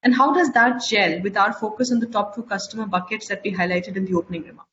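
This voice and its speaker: A woman's voice: mid-range voice, fast, a bit bright. A woman moderating an earnings call, reading out investor questions. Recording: dull, noisy conference-call audio.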